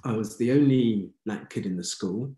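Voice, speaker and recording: A man in his sixties with a well-spoken English accent, recounting his life story as an interview guest in a measured, candid way. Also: fairly low pitch, warm tone, reverberant. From England. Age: 60s. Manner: measured, candid, matter-of-fact. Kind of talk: reflective life-story telling.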